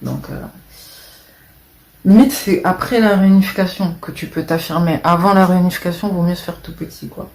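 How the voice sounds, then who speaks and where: A woman chatting casually to camera, rambling and hesitant, often trailing off softly. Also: fairly low pitch, a little fast, reverberant. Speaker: vlogger.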